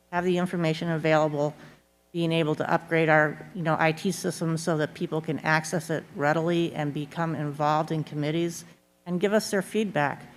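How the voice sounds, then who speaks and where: A middle-aged woman with a notably low voice speaks as a local candidate. Her delivery is earnest and halting, and long hall reverb surrounds her words. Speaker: candidate for town board. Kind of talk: forum closing statement.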